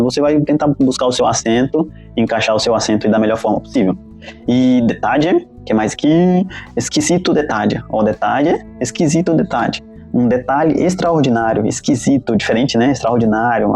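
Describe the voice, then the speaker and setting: A man's voice: mid-range voice, darkish tone. A Brazilian man teaching a casual language lesson, repeating each word several times with frequent restarts.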